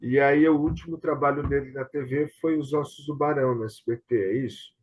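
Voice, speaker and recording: A man's voice: medium pitch, fairly even intonation, fairly quick, slightly rough. A Brazilian man hosting a casual conversation about theatre and television, speaking hesitantly and often seeking confirmation. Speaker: host. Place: remote online video session.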